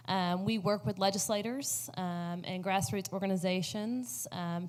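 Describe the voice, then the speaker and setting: A woman speaking as a panelist on education policy, earnest and explanatory, with many ums. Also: medium pitch. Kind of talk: panel answer.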